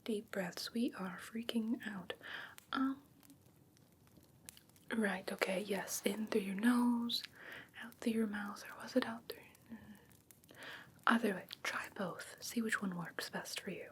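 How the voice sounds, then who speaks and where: A woman playing a whimsical, coaxing fae creature in a breathy ASMR whisper, sweetly condescending and soothing in a halting, doting way. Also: mid-range voice, fairly even intonation, a little hiss or hum, lightly acted. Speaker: ASMR roleplay performer. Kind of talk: whispered ASMR fantasy roleplay.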